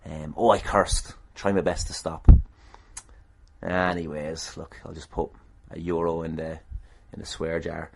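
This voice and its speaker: A man's voice: very deep voice, little pitch movement, measured pace, creaky. An Irish man hosting a casual solo podcast, self-deprecating, irreverent and a little sweary. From Ireland. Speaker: podcast host and wrestler.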